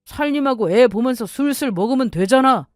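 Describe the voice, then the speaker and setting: A woman's voice: a little high, lively intonation, fairly quick, no echo, studio quality, voice pushed up, lightly acted. A woman voicing a selfish, contemptuous husband in a storytelling radio piece, with scornful, dismissive retorts.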